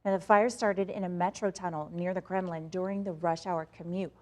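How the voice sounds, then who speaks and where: An American woman anchors morning news in a TV studio, moving between reading the news and chatty, conversational banter with a co-anchor, including playful teasing asides. Her voice is on the low side and a little mellow, with fairly even intonation and a brisk pace.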